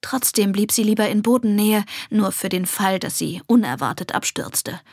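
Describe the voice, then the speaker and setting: A woman narrating a children's fantasy story softly and expressively, often dropping to a whisper. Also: mid-range voice, normal speed, no room sound, clean studio sound. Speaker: audiobook narrator.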